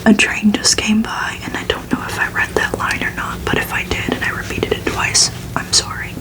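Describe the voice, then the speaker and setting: A woman reading a gothic novel aloud for ASMR in a breathy, unvoiced whisper, hushed and deliberate, with pauses between phrases. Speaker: ASMR reader.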